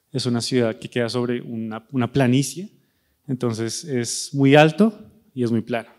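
A man's voice: medium pitch, a little mellow. A young man from Bogotá with a Bogotá Colombian accent, an architect giving a conversational university talk on stage with a handheld microphone, addressing students directly. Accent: Bogotá Colombian Spanish. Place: large dark auditorium stage.

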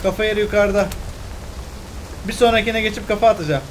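Excitable young man narrating gameplay. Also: sits high, fast talker, a little hiss or hum, low-quality recording. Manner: excitable, exclaims and mutters to himself while playing. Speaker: gameplay commentator. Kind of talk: casual let's-play commentary.

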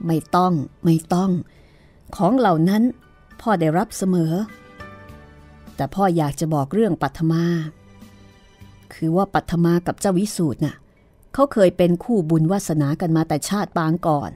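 A woman voicing a man who fakes a father's ghost in a slow, deep voice, coughing as he goes. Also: a little mellow, soft background music, lightly acted. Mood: solemn.

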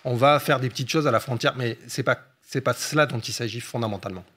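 A man's voice: mid-range voice, fast talker, fairly bright tone, husky. A man, an economist guest on a discussion show, explaining at length with frequent hesitation fillers.

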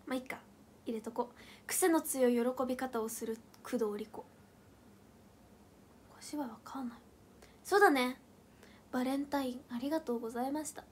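A young woman hosts a casual livestream, and her voice sits high and light. She chats playfully, reacts to comments with quick questions and thanks viewers one by one. Her delivery is relaxed and talkative. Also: a little hiss or hum. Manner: counts aloud and thanks viewers by name in long lists. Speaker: idol group member hosting a livestream.

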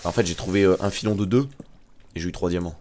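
A man's voice: low-pitched, quick pace, darkish tone, slight background noise. A man, chatting casually while playing a game, laid-back and often saying "mec". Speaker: let's play co-host. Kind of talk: casual gaming chat.

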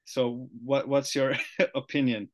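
A young man with a Finnish accent hosts a relaxed video-call chat. He speaks at an unhurried pace, pausing as he sounds out unfamiliar words, his voice of middling pitch in a small indoor room. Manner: slow, hesitant, trying out new words. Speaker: podcast host. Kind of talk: casual video-call interview.

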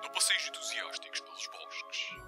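A man's voice: moderate pace, close to an everyday voice. A man voicing a sarcastic, bloodthirsty male vampire in a comedic anime parody dub, with a European Portuguese accent and flippant, mocking delivery. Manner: mocking, flippant, swinging into sudden outbursts. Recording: loud music behind voice.

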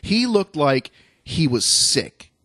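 A man's voice: on the high side, big pitch swings, slow, fairly bright tone, no echo, studio quality. A man hosting a podcast, talking casually and conversationally. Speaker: podcast host.

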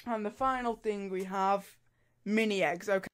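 A man's voice: sits high, normal speed, clean tone. A teenage boy with a cold-stuffed voice, chatting casually in his bedroom as he does viewer dares. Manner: chatty, animated, laughs and groans at dares. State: congested from a cold. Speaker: YouTuber. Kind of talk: casual vlog. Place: small bedroom. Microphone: studio mic on arm near camera.

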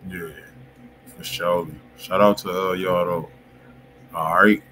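A man's voice: low voice, little pitch movement, slow pace, noisy background. A man hosting a music review livestream in casual, slangy talk, swearing freely and repeating himself.

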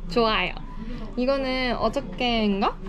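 A woman's voice: on the high side, measured pace, music in the background. A young woman introducing herself and joking with bandmates in a backstage vlog, wearing a headset mic. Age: young adult. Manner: bubbly, animated, joking. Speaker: idol group member. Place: backstage waiting room. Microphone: headset mic, handheld camera.

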